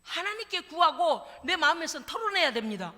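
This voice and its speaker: Woman pastor, middle-aged, emphatic call-and-response preacher, high lively voice, long church reverb. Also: a little fast. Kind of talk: sermon. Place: church sanctuary.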